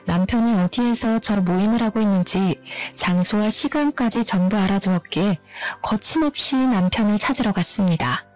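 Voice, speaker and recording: A woman's voice: mid-range voice, darkish tone, low-quality recording. A woman narrating a first-person story in scripted style, indignant and sarcastic.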